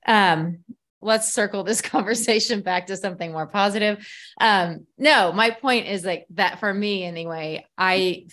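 A woman's voice: medium pitch, measured pace, fairly bright tone. A woman hosting a podcast, chatting frankly, swearing at times and laughing easily. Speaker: podcast host. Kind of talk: casual podcast chat.

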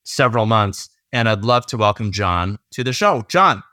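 Host: man, lowish bright voice, eager, wordy, dry close sound. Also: lively intonation, moderate pace, no echo. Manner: eager, long wordy questions. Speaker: podcast host. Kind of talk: hosting an interview.

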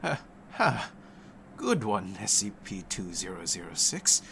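A man's voice: fairly low pitch, big pitch swings, measured pace, gravelly, slight background noise, exaggerated voice. A man voicing a friendly, easygoing senior researcher in a spoken story. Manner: easygoing, warm and playful.

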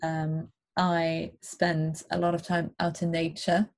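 A woman from Germany, a guest on a video call, talking in a thoughtful, hesitant way with many pauses. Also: lowish voice, monotone, darkish tone. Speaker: interview guest. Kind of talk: casual chat. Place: home on a small island.

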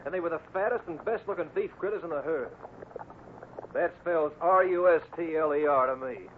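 Cowboy foreman, male actor: steady, fatherly, plain-spoken, slightly high voice, noisy old radio Western. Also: normal speed, narrow, tinny audio, lightly acted. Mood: grave, fatherly.

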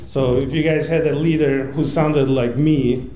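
A man speaks from the audience in a mellow tone. His comment comes through an echoey venue PA with faint noise. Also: fairly high pitch, fairly even intonation, a little slow. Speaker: audience member at the microphone. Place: live show venue.

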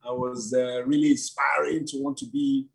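A man's voice: medium pitch, moderate pace, creaky, breathy edge, low-quality recording. A man who leads a church, talking about his early years in an interview with lots of fillers. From Nigeria. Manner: animated storytelling with frequent fillers. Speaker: church leader. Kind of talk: casual interview talk.

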